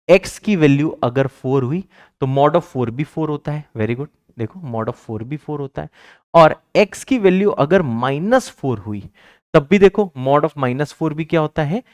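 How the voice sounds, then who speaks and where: A man's voice: on the high side, no room sound, studio quality. A male math teacher giving an exam-prep lecture, emphatic and repetitive, raising his voice to stress points and teasing his students playfully.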